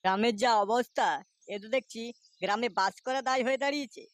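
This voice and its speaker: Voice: mid-range voice, fast talker, dry recording, faint music behind, close to an everyday voice. A performer voicing a flustered village man in a Bengali comedy cartoon, nervous, complaining and protesting.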